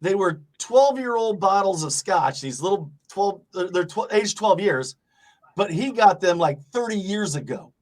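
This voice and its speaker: High-voiced joking male host. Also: expressive, measured pace, low-quality recording. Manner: joking, profane, laughs often. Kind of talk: casual interview chat.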